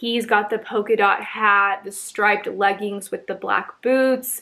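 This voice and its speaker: A woman speaks very slowly in a monotone, flat intonation with a bright, sharp tone, the background quiet. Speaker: home decor vlogger. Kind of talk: casual vlog chat, haul show-and-tell. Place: home room. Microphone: camera far.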